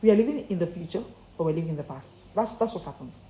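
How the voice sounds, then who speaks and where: A woman's voice: fairly low pitch, animated, fast talker, dark tone. A woman with a Nigerian accent giving a motivational coaching talk to online followers, speaking emphatically and repeating key phrases like a preacher. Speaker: confidence and public speaking coach. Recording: echoey room with faint background noise.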